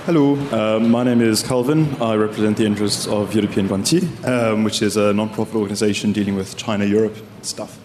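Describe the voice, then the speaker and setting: Man in audience, low voice, emphatic and articulate, roomy hall with faint noise. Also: fairly even intonation, a little fast, hardly any pauses, a little mellow. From South Africa. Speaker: audience member asking a question. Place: lecture hall.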